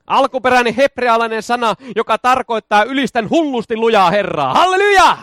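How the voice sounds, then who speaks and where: High-voiced exuberant preacher man. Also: no room sound, clean studio sound. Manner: exuberant, shouts hallelujahs, laughs often, folksy asides. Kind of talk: charismatic sermon.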